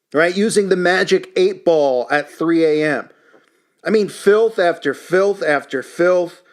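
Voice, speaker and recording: A man delivers an indignant, emphatic, unscripted opinion rant as a commentary host. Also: fairly high pitch. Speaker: YouTube commentary channel host.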